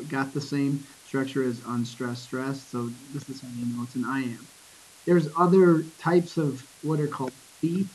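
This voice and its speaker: A man of middling pitch explains poetry in a loose, conversational classroom manner, full of ums and self-corrections. He slows right down when reading lines of verse. A faint hiss sits under the recording. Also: low-quality recording. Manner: relaxed, many fillers and restarts, reads verse slowly. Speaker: teacher. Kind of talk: casual screen-recorded lesson.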